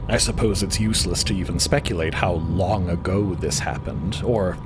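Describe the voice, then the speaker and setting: A man's voice: low-pitched, normal speed, background noise. A man narrating scripted audio fiction theatrically, savouring each descriptive word. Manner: savours lists of adjectives. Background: prominent music.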